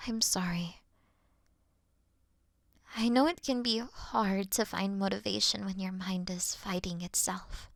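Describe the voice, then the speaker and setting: Woman acting a caring female best friend, patient and reassuring, soft creaky voice, close dry sound, intimate roleplay audio. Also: mid-range voice, steady tone, slow, long pauses, no echo. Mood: gentle concern. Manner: soft, soothing, reassuring, sighing, dropping into breathy murmurs. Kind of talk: roleplay audio, intimate one-sided phone call.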